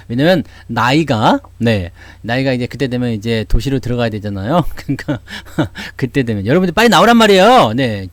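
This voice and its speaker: Lively chatty Korean man, dry close mic. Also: medium pitch, dry recording. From Seoul, South Korea. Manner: chatty, joking, many "네" asides, chuckles. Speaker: stock market YouTube host. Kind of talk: casual livestream chat answering viewers.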